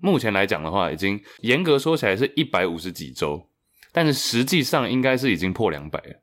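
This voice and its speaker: A man talks at a fairly quick pace, his medium pitch moving through very wide swings, with vocal fry. The recording is very clean, with a silent background. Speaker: podcast co-host. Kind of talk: casual chat.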